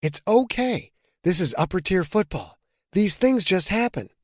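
A man voicing a calm, blunt young quarterback in an audiobook, speaking quietly and firmly. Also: high-pitched, a little slow, dry recording, studio quality, voice pushed up, full character voice. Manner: quiet, steady, firm.

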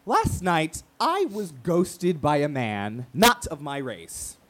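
An actor playing a brash, wounded, proud gay radio talk show host in an emphatic, profane, theatrical monologue. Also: male voice, fairly high pitch, huge pitch swings, takes it slowly, fairly bright tone, exaggerated voice. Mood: indignant, impassioned.

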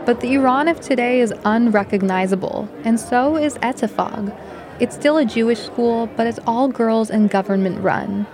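A woman reporter giving a measured, scripted news narration. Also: fairly high pitch, crowd noise.

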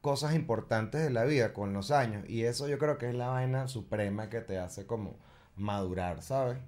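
A man's voice: mid-range voice, moderate pace, darkish tone. A man in his thirties with a Venezuelan accent, chatting informally and in slang with friends. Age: 30s. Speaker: podcast participant. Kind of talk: casual chat among friends.

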